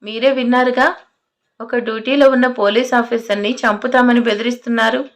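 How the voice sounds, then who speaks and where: A woman voicing a furious, fearless male police officer who shouts threats. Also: a little high, steady tone, moderate pace, natural voice.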